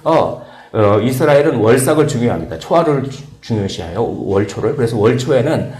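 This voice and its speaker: Korean pastor preaching in an echoey church. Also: male voice, medium pitch, a little fast. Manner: animated, acts out the quoted speakers in a raised voice; frequent fillers and soft chuckles. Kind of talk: sermon. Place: church sanctuary.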